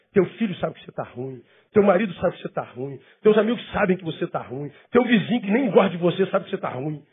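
A man's voice: high-pitched, husky, phone-quality sound. A male pastor giving a conversational sermon full of rhetorical questions.

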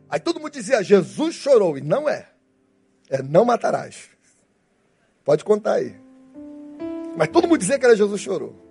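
A middle-aged male pastor with a Brazilian Portuguese accent, preaching a sermon and telling stories with lively acted-out voices. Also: very high-pitched, breathy edge. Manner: lively storytelling preacher who acts out biblical characters.

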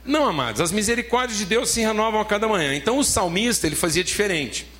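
A man's voice: high-pitched, animated, fast, fairly bright tone. A man with a Brazilian Portuguese accent preaching a sermon as pastor, emphatic, repeating phrases and calling listeners beloved.

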